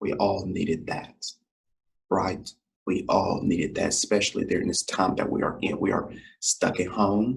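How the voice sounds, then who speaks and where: Somewhat breathy, a man speaks at a moderate pace. His intonation is fairly even. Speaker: education podcaster. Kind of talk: podcast monologue. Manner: casual, filler-heavy.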